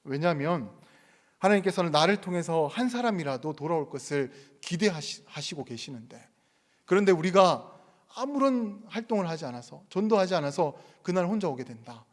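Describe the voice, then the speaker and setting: A man preaches in a sanctuary, his voice sitting a little high for a man. He talks through his points like a chatty story, then presses his listeners with earnest urging. Long reverb from the hall trails behind each phrase. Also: sing-song, moderate pace. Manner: conversational storytelling, rising to earnest exhortation. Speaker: pastor. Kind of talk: sermon. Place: church sanctuary.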